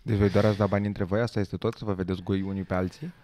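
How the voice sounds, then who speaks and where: Lowish-voiced man teasing friends. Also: little pitch movement, warm tone, slight background noise. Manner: teasing, asks questions. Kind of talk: casual banter.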